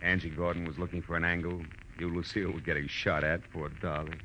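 Low-voiced, weary American radio private eye. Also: male voice, level tone, fast talker, bright, forceful tone, slight background noise. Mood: probing, wry. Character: weary hard-boiled male private detective, wry. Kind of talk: 1940s radio detective narration and dialogue. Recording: dull vintage radio recording with music.

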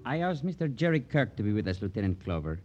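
An actor playing a formal, anxiously polite jewelry merchant in old radio drama, with a husky voice and stilted, pompous courtesy. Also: male voice, fairly low pitch, sing-song, fast, dull audio, over music. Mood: mournful, formal. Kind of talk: old-time radio crime drama acting.

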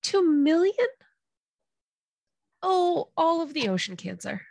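A woman's voice: extremely high pitch, very animated, slow pace, creaky, darkish tone. A woman co-hosting a casual podcast, stuffy from a cold, joking about herself. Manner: self-deprecating, jokey. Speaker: co-host.

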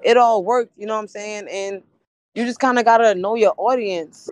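A woman's voice: mid-range voice, moderate pace, darkish tone, no echo. A woman battle rapper, a podcast guest, talking in casual chat and repeating phrases to drive her points home.

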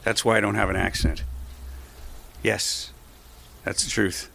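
A man's voice: lowish voice, steady tone, measured pace, creaky, a bit bright. A man in his fifties from South Africa, raised in Canada, chatting as a stand-up comedian guest in a dry, self-deprecating, rambling way. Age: 50s. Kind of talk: casual comedic chat.

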